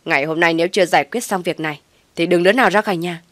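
A woman's voice: on the low side, racing, dry recording, close to an everyday voice. A woman voicing a furious older man, the stern head of a family, bellowing threats at his household. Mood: enraged.

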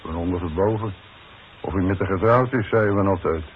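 A man acting a gruff, wry working-class Dutch demolition foreman in a 1960s radio play, talking bluntly to his boss. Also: low voice, a little fast, lightly acted. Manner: dry, sardonic, blunt. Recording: muffled, hissy old radio broadcast recording.

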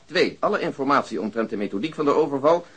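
A man's voice: medium pitch, lively intonation, quick pace, fairly bright tone, breathy edge, muffled recording. An actor playing a methodical, self-satisfied policeman in a Dutch radio drama, speaking in an orderly, matter-of-fact way. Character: methodical male policeman, pleased with himself.

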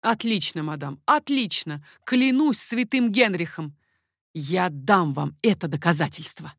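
A woman voicing an amorous, confident king in a storybook reading, lowering her voice and speaking slowly and insistently. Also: lively intonation, no echo, clean studio sound. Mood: ardent. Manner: low, slow, insistent. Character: amorous middle-aged man, a king, confident and ardent.

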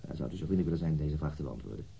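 An actor playing a formal, persistent police investigator questioning a witness in a radio drama, with probing questions and hesitant pauses. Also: male voice, very deep voice, animated, vocal fry, mellow, a little hiss or hum, heavily acted.

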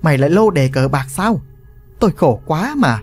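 A man's voice: fairly high pitch, animated, normal speed, faint music behind, close to an everyday voice. A man voicing a nagging, worried old mother who scolds and complains at her son. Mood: scolding.

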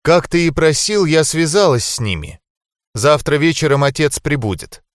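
Male reader doing a young angel wife for an audiobook: higher, soft, earnest, devoted and anxious, dry close sound. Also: expressive, normal speed, no echo, lightly acted. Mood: reporting. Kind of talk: audiobook character voicing.

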